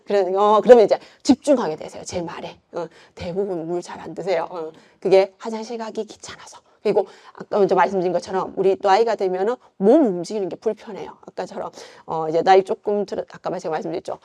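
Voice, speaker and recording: Chatty woman lecturer, mellow voice. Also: medium pitch, quick pace, hardly any pauses. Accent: Gyeongsang. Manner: chatty, conversational, frequent fillers and rhetorical questions. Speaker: yoga instructor lecturing. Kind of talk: informal lecture.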